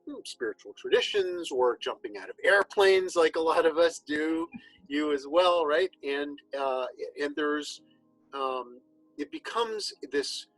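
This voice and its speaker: A man hosting a casual chat show, talking in a relaxed, rambling way with frequent restarts. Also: on the high side, a little slow, dry recording, soft background music, poor audio. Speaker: podcast host.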